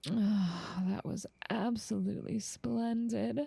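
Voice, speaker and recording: A woman playing a doting, possessive noble vampire in an ASMR roleplay, speaking softly and coaxingly in genteel words, often slipping into a whisper, close to the mic. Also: medium pitch, fairly even intonation, vocal fry, background noise. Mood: satisfied, affectionate. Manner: slow, soothing, coaxing, genteel wording. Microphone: close, dry microphone.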